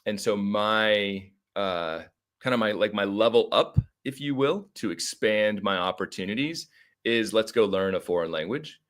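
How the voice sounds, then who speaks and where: A middle-aged man with an American accent speaks in a low voice. He talks as a podcast guest, in a casual storytelling way. His manner is informal and talkative, wandering through asides. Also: expressive, measured pace, a bit bright. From United States (Arizona).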